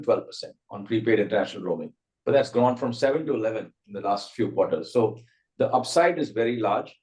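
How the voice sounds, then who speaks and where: A man's voice: on the low side, a little mellow. A man with an Indian accent answering as a company executive on an earnings call, methodically setting out his points. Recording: roomy echo.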